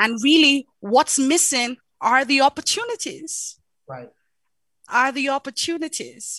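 Her delivery is fairly slow, with a high pitch and lively intonation. The woman's sound is dry and close, with no echo. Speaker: media and communications professional, former copywriter. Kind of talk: casual chat.

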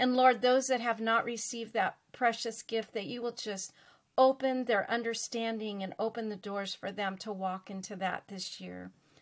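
A woman's plain, everyday voice, fairly high-pitched with fairly even intonation and big swings in loudness, moderate pace, very clean recording, silent background. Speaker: pastor. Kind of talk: devotional teaching followed by fervent prayer. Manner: earnest, warm; fervent, pleading.

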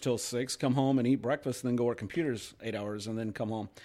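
Here a man has a normal speaking voice at a medium pitch and a fairly quick pace. The recording is very clean, with a silent background. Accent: American. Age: 40s. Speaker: podcast guest, friend of host. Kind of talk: casual chat. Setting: home recording.

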